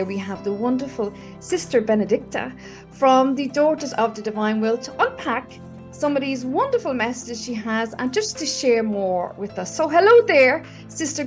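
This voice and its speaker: With faint music behind her, a fiftyish woman hosts a casual online interview, sounding enthusiastic and leaning on fillers and restarts. Her voice sits high, with lively intonation and a moderate pace.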